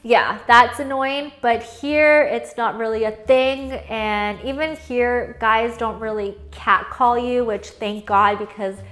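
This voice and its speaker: A young woman with a fairly high voice talks straight to the camera in a relaxed, chatty way. She laughs often and leans on fillers. She sounds like she's seated in a living room, a little way from the mic. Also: takes it slowly, few pauses, slight background noise. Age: young adult. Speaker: vlogger living abroad. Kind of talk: casual talking-head vlog.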